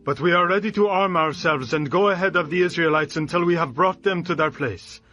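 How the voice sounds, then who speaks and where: A man's voice: a little high, fairly quick, bright, forceful tone, highs cut off, soft background music. An actor playing an earnest tribal herdsman petitioning his leader with deferential declamation in a dramatized audio Bible. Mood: earnest, resolute.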